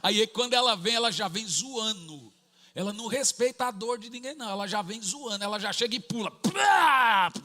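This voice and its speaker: A middle-aged man, preaching a sermon full of personal stories, acting out family dialogue and breaking into sudden shouts. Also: sits high, fairly quick, long reverb tail. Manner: animated, acts out family dialogue, bursts into shouts. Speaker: pastor.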